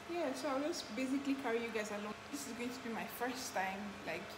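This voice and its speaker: A woman's voice with ordinary pitch variation comes through loud background noise. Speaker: vlogger. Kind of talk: casual vlog chat. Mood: cheerful, playful. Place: home room. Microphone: lapel.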